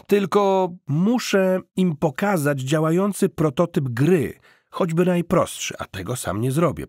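A man acts out a pushy, smooth-talking hustler in an audiobook. He is emphatic and coaxing like a salesman, with lively swoops of pitch and a rough-edged voice, recorded very dry. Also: dry recording. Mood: eager, insistent. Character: smooth-talking eager hustler cousin, persuasive adult man.

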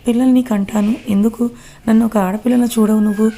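Proud obsessive young woman, read by a woman, insistent, flat even delivery, dark mellow tone. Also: fairly high pitch, fast, lightly acted. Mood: pleading.

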